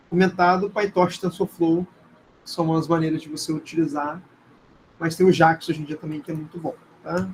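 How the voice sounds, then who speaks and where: A Brazilian man with a fairly high voice teaches an informal live class. He speaks conversationally and hesitantly, often checking in with short tag questions. Noticeable noise sits behind his voice. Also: a little mellow, rough recording. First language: Portuguese. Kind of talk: informal live lecture with screen demonstration.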